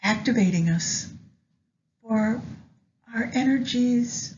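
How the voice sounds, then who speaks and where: A woman leading a guided meditation with astrology, speaking gently and in measured short phrases with long pauses. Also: fairly high pitch. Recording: dull lo-fi sound, faint background noise.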